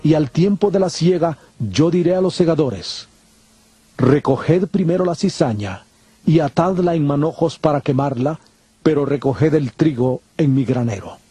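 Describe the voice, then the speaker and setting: An actor playing a calm, solemn male teacher of parables in a dramatized scripture audio, speaking in a measured, deliberate way. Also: on the high side, breathy edge, no room sound. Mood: storytelling. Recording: constant prominent music under the voice. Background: music.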